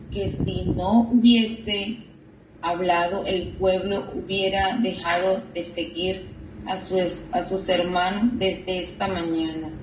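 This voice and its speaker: A woman reading scripture aloud in a Bible class, haltingly, stumbling over names. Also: mid-range voice, reverberant. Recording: distant, dull, noisy room.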